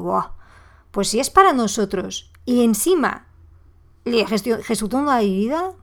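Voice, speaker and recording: A woman hosting a parenting podcast, speaking straight to the listener in an expressive way with sudden exclamations. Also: on the high side. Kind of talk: podcast monologue addressed to listener.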